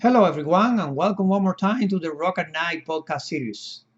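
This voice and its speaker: A man's voice: fairly high pitch, animated, a little fast, lo-fi sound, soft background music. A man in his fifties, born in Cuba, hosting a podcast interview in an earnest, effusive and formally worded way. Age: 50s. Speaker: podcast host.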